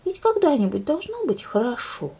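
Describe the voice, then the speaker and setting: A woman voicing a timid, dreamy little hedgehog with a soft, wondering, breathy voice. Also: sits high, sing-song, normal speed, voice pushed up.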